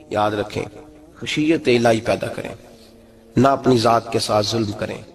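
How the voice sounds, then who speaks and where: A middle-aged man, preaching a sermon in an animated way and climbing to high, emphatic peaks.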